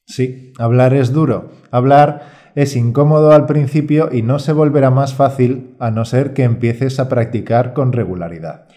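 This Spanish-course presenter, a teacher and podcast co-host, speaks at a moderate pace with a medium-pitched voice. His scripted delivery is calm and reassuring.

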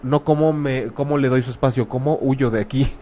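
A man's voice: medium pitch, fairly even intonation, fairly quick, mellow, a little hiss or hum. Frank Mexican man, casual talk. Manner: colloquial, frank, uses rhetorical questions and slang. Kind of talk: casual talk about grief.

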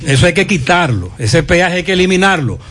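A man's voice: on the high side, animated, normal speed, a bit bright. A Dominican man hosting talk radio, giving emphatic, opinionated commentary and repeating his phrases. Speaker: radio host.

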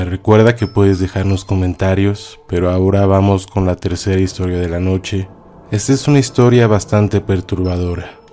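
A man hosting a horror story show, introducing the next story in a measured, scripted narration. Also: lowish voice, mellow. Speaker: host.

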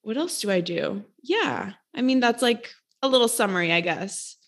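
A woman's voice: fairly high pitch, expressive, moderate pace. A woman in her late twenties from Costa Rica, a podcast guest chatting casually, rambling and laughing at herself. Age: 20s. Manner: self-deprecating, laughs often, rambling. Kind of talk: casual chat.

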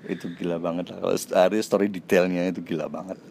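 Deep-voiced man telling a story. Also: quick pace, gravelly, slight background noise. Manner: acts out quoted dialogue in changing voices; relaxed, chatty, with fillers and self-laughs. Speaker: actor. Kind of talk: casual anecdote storytelling.

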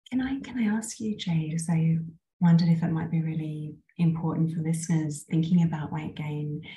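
A woman with a notably low, mellow voice hosts a podcast conversation and poses thoughtful, supportive questions. Her voice carries a roomy echo, with a faint hum of ambience behind it. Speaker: podcast host. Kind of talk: conversational interview. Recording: echoey room recording.

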